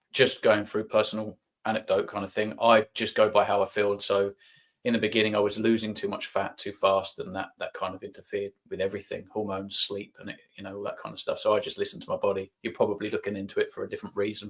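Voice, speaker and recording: A man on a live health Q&A panel, speaking calmly and hedging his points over a call. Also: fairly low pitch, fast. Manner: calm, even, hedging. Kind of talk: live Q&A chat.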